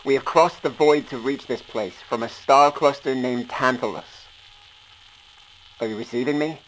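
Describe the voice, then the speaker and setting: Stern warship officer over hissy comms. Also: male voice, mid-range voice, a bit bright, poor audio. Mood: stern, formal. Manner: formal, measured military announcing. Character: stern, formal human warship officer hailing strangers. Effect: radio transmission. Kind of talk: sci-fi audio drama acting.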